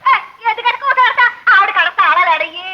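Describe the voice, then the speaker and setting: An actress playing a sharp-tongued woman who scolds the old man sarcastically. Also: very high voice, lively intonation, brisk, exaggerated voice. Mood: scolding. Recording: dull old film soundtrack.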